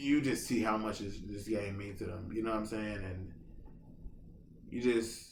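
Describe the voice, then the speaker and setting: Audible room echo surrounds a man who speaks at a fairly low pitch with fairly even intonation and long, frequent pauses. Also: moderate pace. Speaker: podcast host. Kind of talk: casual solo commentary. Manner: casual, halting with fillers.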